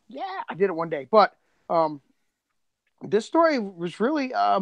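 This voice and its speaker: A man's voice: fairly high pitch, no room sound. A man talking casually on a podcast, informal and rambling, often questioning himself as he goes. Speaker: podcast co-creator and audio editor.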